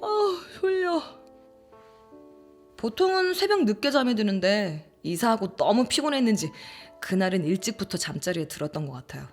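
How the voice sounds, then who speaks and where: An actress playing a young office worker who recounts an eerie experience in a conversational way, in a horror audio drama. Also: female voice, mid-range voice, soft background music. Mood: drowsy, puzzled. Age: young adult. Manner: conversational, animated narration with drawn-out murmurs and whispers.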